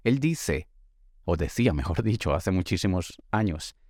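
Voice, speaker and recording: A podcast host and author gives a motivational monologue into a studio microphone, projecting an emphatic, announcer-style delivery. His voice sits low and is animated and a little mellow at normal speed, recorded dry with clean studio sound.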